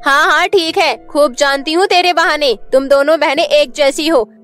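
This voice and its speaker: Actress as a scornful cartoon stepmother, high and sharp, scolding constantly. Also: normal speed, faint music behind. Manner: shrill, scornful, nagging. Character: scolding mean stepmother, middle-aged woman. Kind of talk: cartoon voice acting.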